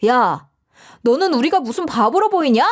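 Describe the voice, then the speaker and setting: Blunt scolding girlfriend, high voice, animated; actress. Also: moderate pace. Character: blunt young woman friend, scolding.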